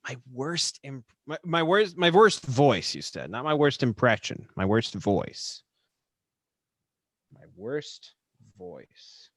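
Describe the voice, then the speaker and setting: Guy chatting on a podcast, really animated, kinda halting w repeats, dry close sound. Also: medium pitch, no echo. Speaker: podcast co-speaker, voice actor. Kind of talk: casual podcast chat.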